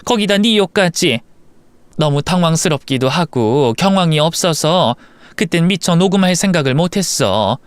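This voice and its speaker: A man voicing a gentle, regretful elderly mother who speaks softly and haltingly, in a storybook narration. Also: fairly high pitch, lively intonation, clean tone, no echo, lightly acted. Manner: soft, halting, remorseful. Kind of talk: storybook voice acting.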